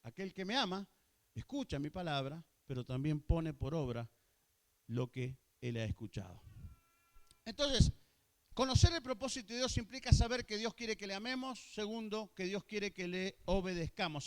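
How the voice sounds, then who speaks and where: A male pastor with an Argentine Spanish accent preaches in a high, clear, resonant voice. He questions his congregation and jokes with them, then climbs to loud, emphatic peaks. He sounds like a pastor delivering a church sermon. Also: animated, moderate pace. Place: church hall.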